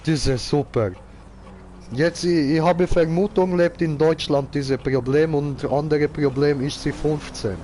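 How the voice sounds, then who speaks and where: A man's voice: a little high, steady tone, unhurried, warm tone, a little hiss or hum. A man giving casual live gaming commentary in clownish, slangy broken grammar, as a streamer. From Switzerland. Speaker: game streamer.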